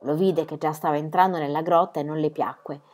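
A woman narrating a children's novel, expressive and building in intensity during emotional passages. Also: deep voice, a little fast. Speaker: audiobook reader.

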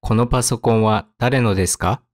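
A man teaching vocabulary, saying each word and example sentence twice, slowly and carefully, then giving its meaning. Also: on the low side, no echo, clean studio sound. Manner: slow, careful enunciation with repetition. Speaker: Japanese teacher.

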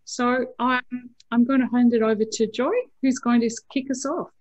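Woman intro-ing a zoom talk, croaky morning voice, lots of ums, dry sound. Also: a little high, fairly even intonation, normal speed, a little mellow, no room sound, lo-fi sound. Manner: reads the introduction with fillers. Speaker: session chair. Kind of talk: introducing a conference session. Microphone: video call.

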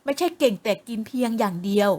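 A woman voicing a proud, stubborn plump teenage girl in an audio novel, speaking high and slow. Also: mellow, natural voice.

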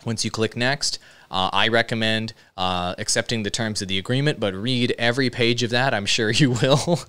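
A man giving casual step-by-step software instruction into a close broadcast microphone. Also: fairly low pitch, fairly even intonation, moderate pace, clear, resonant tone. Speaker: software tutorial host. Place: indoor streaming room. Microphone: close dynamic broadcast microphone with headset monitoring.

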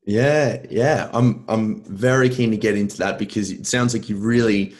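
Low-voiced male podcast host. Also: fairly even intonation, normal speed, a little mellow. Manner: friendly, hesitant, many ums. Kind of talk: casual interview chat. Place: home room, indoors. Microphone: video call with earphone mic.

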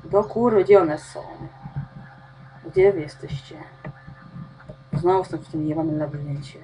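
Swearing frustrated woman gamer, slow talk. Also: sits low, dark tone, slight background noise, poor audio. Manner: frustrated, swearing constantly, talking to herself. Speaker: gamer playing a video game. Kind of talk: swearing gameplay commentary.

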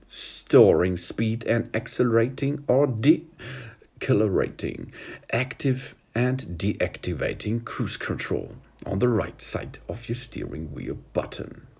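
With a medium-pitched voice that is creaky, husky and a little mellow, a car tutorial presenter guides viewers step by step from inside a car on a handheld phone recording. His delivery is methodical, hesitant and full of pauses.

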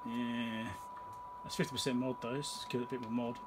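Over very noisy audio, a man with a medium-pitched, level voice talks fairly quickly. He repairs electronics and hosts videos, and here he mutters offhand, think-aloud commentary at his small, cluttered indoor bench.

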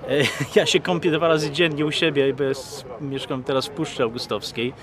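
A man in his fifties talking casually in an outdoor interview, relaxed and chatty with fillers. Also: on the high side, moderate pace. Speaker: band member interviewed. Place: outdoors by a lake. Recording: crowd noise behind.

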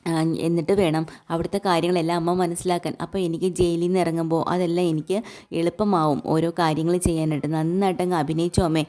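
A woman's voice: fairly low pitch, warm tone. A woman, casually retelling a serial story and quoting its dialogue in her own voice. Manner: plain retelling, quotes dialogue in her own voice, frequent filler "kettō". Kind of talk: casual spoken recap of a serial.

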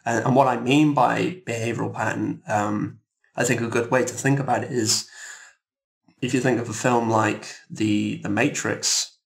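A man speaking as an interviewed guest in a thoughtful discussion, halting and reflective, often repeating words. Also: mid-range voice, fairly even intonation, creaky.

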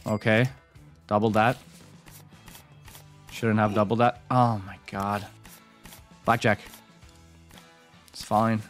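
A man's voice: lowish voice, level tone, takes it slowly, long pauses, a bit bright, faint music behind. A man streaming casino games, talking casually and swearing as he comments straight to his viewers. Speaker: gambling streamer. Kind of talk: casual commentary while playing.

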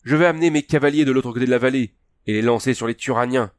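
A man's voice: medium pitch, measured pace, warm tone, clear, resonant tone, dry recording, clean studio sound, voice pushed up, lightly acted. A man voicing a proud young royal woman who speaks with imperious, insistent urgency. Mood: urgent.

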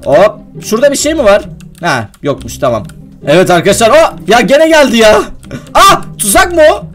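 A young man playing a video game and commenting to his viewers, excitable and quick to get worked up when the game goes wrong. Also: high voice, soft background music. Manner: excitable, addresses viewers as friends, gets worked up at traps. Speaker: gaming YouTuber.

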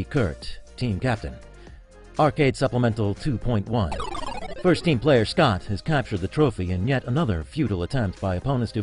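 A man's voice: lowish voice, a little mellow, close to an everyday voice. A man playing a pompous, heroic starship-captain parody, narrating grandiose log entries in a comedy audio drama. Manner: grandiose log-entry delivery.

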